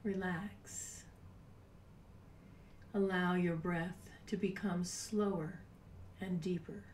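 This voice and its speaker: Slow, soft older woman guiding meditation. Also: on the low side, fairly even intonation. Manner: soft, breathy, unhurried delivery with long pauses, at times near a whisper. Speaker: guided meditation host. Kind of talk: soft, soothing guided meditation. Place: small home room, indoors. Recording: roomy, distant mic with background noise.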